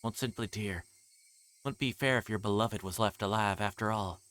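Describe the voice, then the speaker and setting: A man's voice: fairly low pitch, normal speed, a bit bright, natural voice. A man voicing a deranged young woman killer in a visual novel, bitter and obsessive, brooding and gloating as she speaks. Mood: bitter resignation. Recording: music playing behind the voice.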